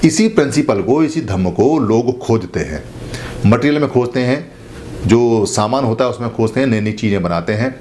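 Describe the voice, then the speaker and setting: A man giving a spoken Buddhist teaching, explaining slowly and repeating phrases for emphasis. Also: medium pitch, animated, a little mellow, a little hiss or hum. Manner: slow, repetitive, explanatory preaching. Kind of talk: spoken dharma talk.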